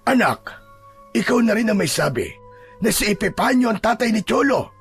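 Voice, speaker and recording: Man playing a very husky old grandfather. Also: high-pitched, big pitch swings, normal speed, soft background music, full character voice. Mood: concerned, soothing. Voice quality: gravelly, husky. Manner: earnest, soothing. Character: gentle, remorseful old grandfather consoling his daughter. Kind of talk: Filipino audio drama acting.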